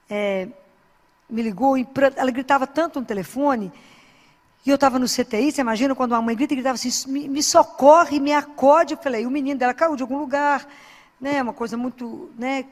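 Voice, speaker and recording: Woman, fairly high voice, earnest exhorting preacher, conversational sermon, long hall reverb. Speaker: Christian speaker and doctor. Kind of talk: informal sermon with anecdotes.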